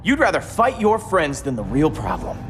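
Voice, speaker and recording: An actor playing a scornful, arrogant young vigilante in a game cutscene, with a sneering, contemptuous delivery. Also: male voice, a little high, wildly swooping pitch, moderate pace, music in the background. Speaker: game character.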